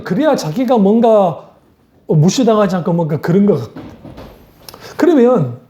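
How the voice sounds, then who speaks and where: A woman's voice: a little high, dark tone, reverberant. A woman pastor preaching a sermon in a blunt, conversational way, asking her congregation rhetorical questions. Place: church sanctuary.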